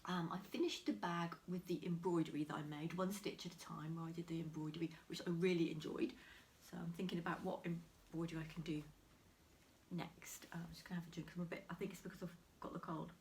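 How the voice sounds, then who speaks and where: Soft-spoken woman with a cold. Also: on the low side, level tone, fast. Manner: soft, chatty, often half-whispered with small laughs. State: slightly nasal with a cold. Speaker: crafting vlogger. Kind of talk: casual chat to camera. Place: home room beside a window, heavy rain outside. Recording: faint rain noise.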